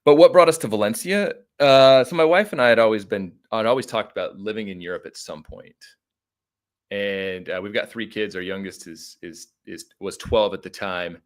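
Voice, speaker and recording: A man's voice: fairly low pitch, normal speed. A middle-aged American man telling his story casually as a podcast guest, talkative and a little rambling. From United States (Arizona).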